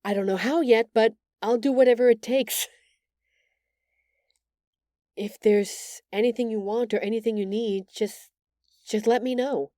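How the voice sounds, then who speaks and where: A woman playing a gentle, shy female alien who stammers earnestly and apologetically in an intimate audio roleplay. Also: fairly high pitch, steady tone, measured pace, pauses often, no room sound, studio quality, lightly acted. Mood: relieved, grateful.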